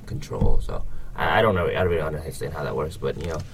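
A young man from Vietnam with a Vietnamese accent, answering interview questions casually in a hesitant, halting way. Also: extremely low pitch, animated, creaky, slight background noise.

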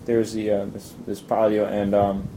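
Dark-voiced man chatting casually. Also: lowish voice, a little hiss or hum, low-quality recording. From Italy. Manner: relaxed, halting with fillers and restarts. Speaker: interviewee. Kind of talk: casual chat.

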